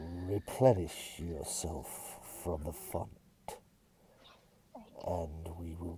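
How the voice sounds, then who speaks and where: Using a put-on character voice, a man rumbles in a very deep, low pitch at a very slow pace, with long, frequent pauses and fairly even intonation. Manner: solemn, ceremonial.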